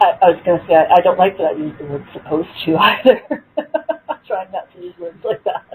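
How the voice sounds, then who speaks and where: Talking at a fairly quick pace, a woman uses a medium pitch with ordinary pitch variation and big swings in loudness. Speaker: caller. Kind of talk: casual chat. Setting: call. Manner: soft-spoken; halting.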